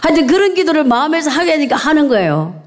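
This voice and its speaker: A woman's voice: high-pitched, sing-song, quick pace. An older woman preaching a sermon to a congregation, exhorting listeners and repeating key phrases for emphasis. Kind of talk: sermon to a congregation, with scripture reading and amen prompts.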